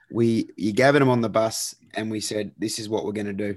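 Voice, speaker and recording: A man's medium-pitched voice with an Australian accent, fairly even intonation and a moderate pace over a quiet background. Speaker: podcast host. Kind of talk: interview. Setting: remote call.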